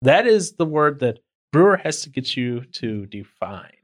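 A man's voice: mid-range voice, big pitch swings, measured pace. A man hosting a casual podcast, chatty and often laughing as he explains the game. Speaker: podcast host.

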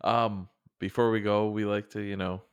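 A man's voice: lowish voice, little pitch movement, moderate pace, clear, resonant tone, dry recording. A man from Massachusetts co-hosting a podcast, bantering and chuckling in casual chat. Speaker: podcast co-host.

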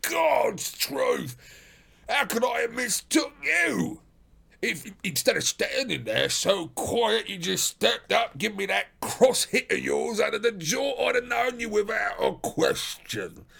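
A man voicing a gruff, stubborn, distrustful prizefighter porter who talks in loud working-class dialect, in a storybook reading. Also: high-pitched, big pitch swings, slow pace, pitched above the performer's own voice, exaggerated voice. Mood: roaring delight.

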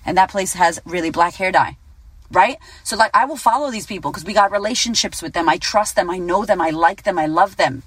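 A woman in her late thirties, a business coach giving a casual motivational talk, blunt and animated, swearing freely. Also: on the low side, brisk, breathy edge, no echo. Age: 30s. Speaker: business coach and podcast host.

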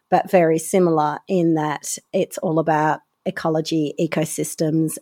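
Australian woman farmer, lower pitch, unhurried interview guest. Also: dark tone. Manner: unhurried, thoughtful, with small restarts. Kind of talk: casual interview talk.

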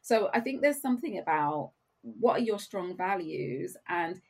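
A woman career coach speaking as a podcast guest. Her voice sits a little low and has a husky edge. She explains her points in a measured way and often poses rhetorical questions. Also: animated, darkish tone. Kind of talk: conversational interview.

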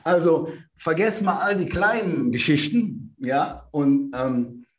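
A German man in his sixties, a veteran bodybuilder telling anecdotes as a podcast guest in a lively, animated way. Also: a little high, takes it slowly. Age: 60s. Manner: lively storyteller who acts out sounds and quotes. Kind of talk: casual anecdotal storytelling.

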